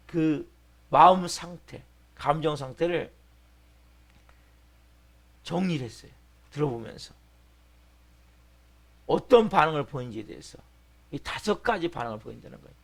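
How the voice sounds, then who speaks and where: A man's voice: fairly high pitch, vocal fry. A male pastor giving an early-morning sermon, acting out people's voices with rising passion. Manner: animated preaching, acting out patients' voices.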